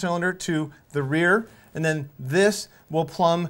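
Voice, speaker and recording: The man talks at a very slow pace. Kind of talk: tutorial. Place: garage.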